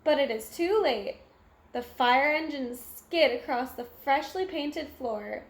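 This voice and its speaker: A woman reading a children's picture book aloud in an expressive, animated way, with exclamations. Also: sits high, slow pace. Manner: animated, exclamatory, acts out sound effects. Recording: echoey room.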